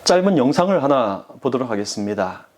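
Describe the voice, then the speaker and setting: A man's voice: mid-range voice, big pitch swings, brisk, a little mellow. A man preaching a sermon as pastor, speaking earnestly and addressing the congregation directly.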